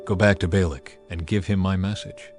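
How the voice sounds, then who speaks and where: A man voicing a calm, authoritative God with a measured, commanding manner in a dramatized scripture reading. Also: sits low, voice pushed down, natural voice. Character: God, calm, authoritative male deity giving orders. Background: background music.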